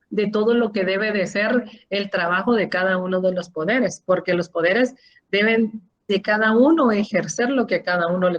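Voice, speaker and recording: A woman with a Guatemalan accent, a law lecturer explaining course material and often adding questioning tags. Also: mid-range voice. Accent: Guatemalan Spanish. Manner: explanatory, frequent tag questions and fillers. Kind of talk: online class lecture. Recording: dull lo-fi audio.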